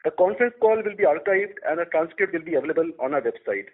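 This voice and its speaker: Man, high voice, reading from a script, formal disclaimer, tinny phone-line sound. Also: lively intonation, fast talker. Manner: reads a prepared disclaimer steadily. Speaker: investor relations head. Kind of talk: formal scripted call introduction.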